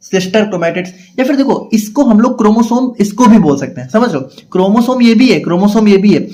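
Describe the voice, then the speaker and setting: A man with a high voice teaches a pharmacy class, taking each step slowly and asking himself questions before he answers them. He reads definitions at a deliberate pace, then explains them again in casual terms. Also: a little mellow. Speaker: pharmacy tutor. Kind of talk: explanatory lecture.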